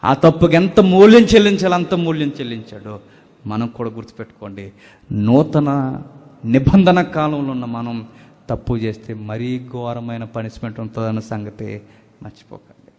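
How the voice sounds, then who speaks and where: A man preaching a sermon, moving from loud, pleading bursts to hushed, low lines and quoting scripture in an imploring tone. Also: moderate pace. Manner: quotes scripture in an impassioned, imploring tone. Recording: long hall reverb.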